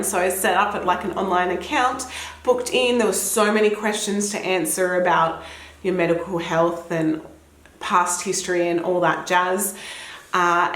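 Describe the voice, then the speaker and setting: A young Australian woman chatting casually to camera at home, a little throaty from a cold, rambling and laughing often. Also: mid-range voice. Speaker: vlogger. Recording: echoey room.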